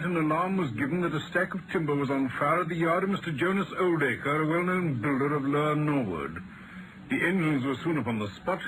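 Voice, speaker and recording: Detective's loyal companion male actor: English, measured, emphatic, raised pitch, golden-age radio acting on a noisy recording. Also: close to an everyday voice. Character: dutiful gentleman companion of a detective. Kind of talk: 1940s-style radio acting.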